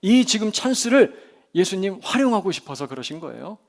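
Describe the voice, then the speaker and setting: A man, a pastor, preaching a sermon in a church service, telling the story vividly, asking the congregation questions and swinging between loud and quiet. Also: mid-range voice, creaky. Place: church sanctuary during a service.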